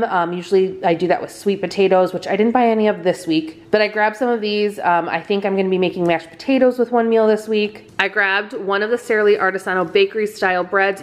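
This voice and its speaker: Chatty mom narrating a grocery haul. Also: female voice, medium pitch. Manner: chatty, relaxed, friendly with fillers. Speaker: vlogger. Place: home kitchen, indoors.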